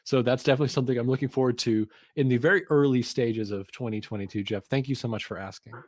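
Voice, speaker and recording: Man co-hosting a podcast, eager and playful, mid-pitched voice, dry room. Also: steady tone, quick pace, darkish tone, no echo. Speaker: podcast co-host. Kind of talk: casual podcast conversation.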